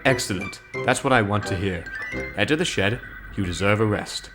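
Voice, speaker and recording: A man's voice: lowish voice, moderate pace, close to an everyday voice. A man voicing a firm but fair middle-aged railway boss in a formal, authoritative manner, in a storybook reading. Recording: music playing clearly behind.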